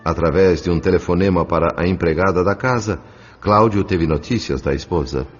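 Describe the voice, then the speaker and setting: Low voiced guy narrating a drama audiobook, solemn, bit muffled, music behind. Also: breathy edge. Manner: solemn, measured. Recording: dull sound with music underneath.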